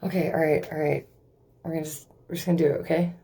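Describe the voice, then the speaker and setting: A woman's voice: low-pitched, steady tone, fast talker, vocal fry, warm tone, breathy edge. A young woman vlogging casually, rambling and giggling nervously as she talks to the camera, swearing often. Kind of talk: casual beauty vlog.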